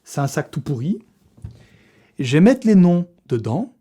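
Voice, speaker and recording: Young male vlogger, mellow tone, casual, slangy delivery with swearing. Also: fairly high pitch, very animated, a little slow, slightly rough. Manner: slangy, swearing, chatty, laughs often. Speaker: fitness youtuber running a giveaway draw. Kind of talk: casual vlog talk to camera.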